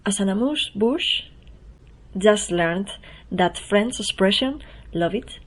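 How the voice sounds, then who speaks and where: This soft-spoken woman from Spain talks slowly with a mid-range, animated voice. She's the writer of a newsletter and the host of a podcast, and here she reads the newsletter in a laid-back intro, chatting away, poking fun at herself and laughing at her own expense.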